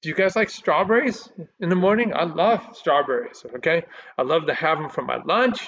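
In an American accent, a man talks at a moderate pace with a high pitch and lively intonation. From US. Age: 60s. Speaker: university professor. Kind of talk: lecture. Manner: informal. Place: home room. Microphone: webcam.

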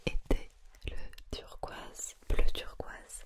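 A woman whispers, soft-spoken, at a very slow pace. Loud background noise fills the recording. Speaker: ASMR creator. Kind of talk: soft-spoken ASMR chat. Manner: soft close-mic ASMR whisper. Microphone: studio mic.

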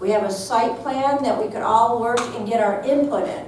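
A woman speaks at a fairly high pitch with fairly even intonation. Noticeable background noise and audible room echo come through. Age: 60s. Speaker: farmer speaking at public hearing. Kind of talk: public comment at town meeting.

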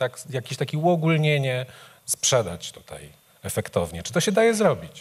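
This man's moderate pace comes with a somewhat breathy voice. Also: quiet background. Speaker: journalist and moderator. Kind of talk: moderated panel discussion. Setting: stage with audience. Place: hall. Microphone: handheld.

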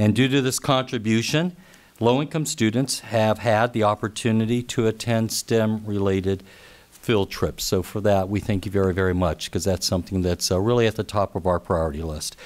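A man talks fairly quickly with a fairly low pitch, ordinary pitch variation and an unremarkable speaking voice. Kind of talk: formal meeting announcement. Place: hall. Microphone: podium.

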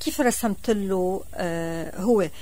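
This woman sounds somewhat breathy. Her pitch moves with ordinary variation. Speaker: radio presenter. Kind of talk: radio interview hosting.

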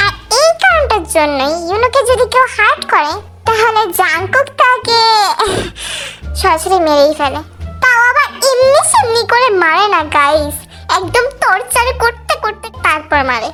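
The pitch swings very widely at a moderate pace. Clear music plays in the background. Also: woman, extremely high pitch for a woman. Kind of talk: casual YouTube story narration. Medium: read story. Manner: conversational, addresses listeners as guys.

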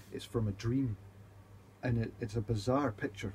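Light background noise sits behind a man with a Scottish accent whose dark, mellow, somewhat breathy voice holds fairly even intonation. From Scotland. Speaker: whisky podcast co-host. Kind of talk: casual chat. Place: home room.

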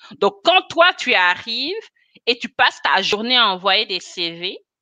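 A woman speaks with very wide pitch swings. The sound is dry with no echo over a quiet background. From Senegal and West/Central Africa. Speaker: cosmetic chemist and entrepreneur; guest. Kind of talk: interview. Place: home room. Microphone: video call.

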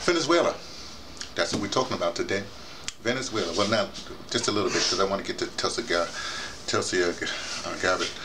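A man rattles along at a very fast pace, with noticeable background noise behind him. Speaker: home political commentator. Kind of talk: casual vlog chat. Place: home room. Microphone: camera far.

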